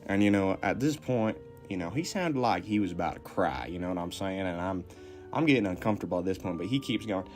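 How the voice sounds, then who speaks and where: A man's voice: low voice, expressive, fairly quick, a little mellow, faint music behind. A man playing a folksy Southern arms dealer with a Southern US accent, rambling through a comic tall tale. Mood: bemused. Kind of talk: comic in-character audio message.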